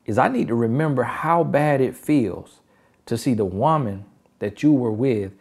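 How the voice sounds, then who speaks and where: Man, country Southern accent, middle pitch, motivational advice talk, emphatic. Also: measured pace, gravelly, a little mellow. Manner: preachy, repetitive, emphatic. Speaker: relationship advice speaker.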